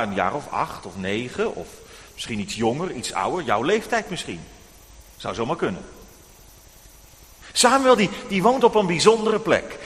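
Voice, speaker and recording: A man preaching to children, telling a Bible story in an animated storytelling manner, addressing the boys and girls directly, in a reverberant church. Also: sits high.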